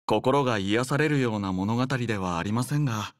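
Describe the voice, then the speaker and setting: A man voicing a courteous, earnest young android soldier in an anime game, speaking in a polite, formal, measured manner. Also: medium pitch, no room sound, clean studio sound, natural voice. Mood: polite, soft. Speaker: game character voice. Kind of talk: scripted anime game voice lines.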